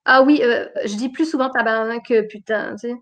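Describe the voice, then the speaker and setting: A woman's voice: fairly high pitch, normal speed, a bit bright. A woman with an accent mixing French and Quebec, hosting a casual conversational interview. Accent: mixed French and Quebec. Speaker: host of an online video interview show. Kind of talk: casual chat.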